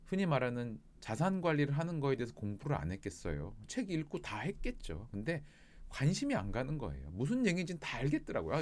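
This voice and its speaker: A man's voice: mid-range voice, darkish tone. A middle-aged man, a coach, talking casually to viewers, chatty and shifting between jokes and earnest advice. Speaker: life coach. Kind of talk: casual reflective talk to viewers.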